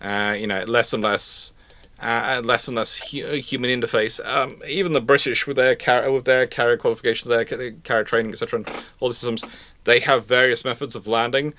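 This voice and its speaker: A man's voice: medium pitch, steady tone, fairly quick, sharp tone. A man hosting a casual live question-and-answer talk on history, rambling and often restarting his phrases. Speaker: livestream host.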